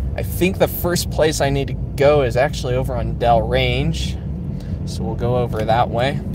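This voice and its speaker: Over music in the background, a man speaks at a fairly slow pace with a dry sound and no echo. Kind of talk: casual live stream commentary. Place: car. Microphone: phone near.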